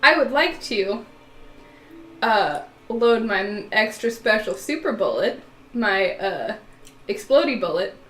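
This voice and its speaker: A woman's voice: medium pitch, big pitch swings, slow pace, fairly bright tone, faint music behind. A woman with a put-on Southern US accent, playing a character in a casual tabletop game and talking in a blunt, joking way with the odd swear. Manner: playful, blunt, swears and jokes. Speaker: player. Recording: echoey room with faint noise.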